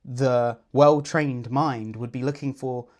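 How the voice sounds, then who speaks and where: A man's voice: mid-range voice, fairly even intonation, takes it slowly, a little mellow. A man working as a dating coach, confidently explaining and breaking down a client's approach. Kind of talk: video breakdown commentary.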